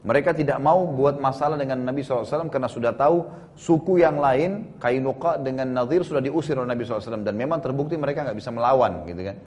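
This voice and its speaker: A man's voice: mid-range voice, rapid-fire, darkish tone, slight background noise. A male preacher telling a religious history story in a lecture, acting out the people he quotes.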